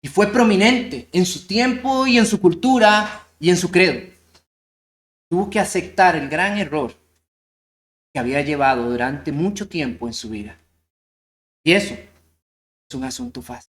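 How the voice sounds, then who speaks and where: Earnest preacher telling a parable. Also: male voice, on the high side, fairly bright tone. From Costa Rica. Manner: storytelling, earnest, slows down for emphasis. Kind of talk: sermon.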